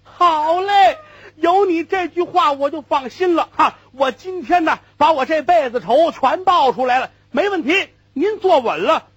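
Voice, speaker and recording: A man voicing a crafty, vengeful old male cart driver who haggles in a drawn-out, gleeful way. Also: very high-pitched, a bit bright, husky, no echo, dull audio, pitched above the performer's own voice, heavily acted.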